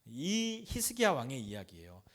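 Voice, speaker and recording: A man's voice: medium pitch, wildly swooping pitch, moderate pace, a bit bright. A man pastor giving a conversational sermon, asking the congregation questions and acting out blunt, taunting quotes.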